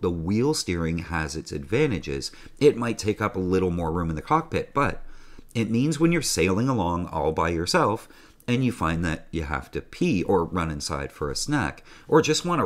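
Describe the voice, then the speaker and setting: A man in his forties hosting a sailing channel, talking casually and enthusiastically to a desk camera in a small room. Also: low-pitched. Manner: enthusiastic, joking, conversational. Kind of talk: casual video presentation.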